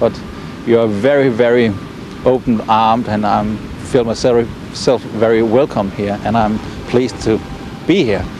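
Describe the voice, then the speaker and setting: With a Danish accent, a man speaks with fairly even intonation and long, frequent pauses over noticeable background noise. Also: medium pitch for a man, moderate pace. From Denmark. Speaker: kite flyer, graphic designer. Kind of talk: interview.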